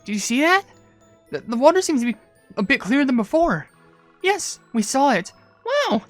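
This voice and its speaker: A woman's voice: high voice, big pitch swings, normal speed, no echo, soft background music. A woman voicing a small, devoted cookie attendant in a game cutscene, caring, eager and pleading. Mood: excited. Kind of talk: video game cutscene voice acting.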